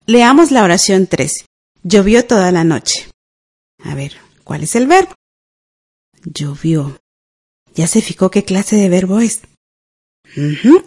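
A mellow, warm-toned woman leads a scripted radio grammar lesson. She goes step by step, spells words out and checks in with little "ujú" and "¿verdad?" prompts. Her pitch sits in an ordinary middle range. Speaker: radio teacher.

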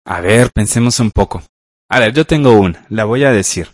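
A man leads a radio language class, patient and unhurried, often checking that listeners follow. His voice sits fairly low. The sound is dry and close. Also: dry recording. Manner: patient, slow, asks "¿verdad?" often. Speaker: radio teacher. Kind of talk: radio school lesson.

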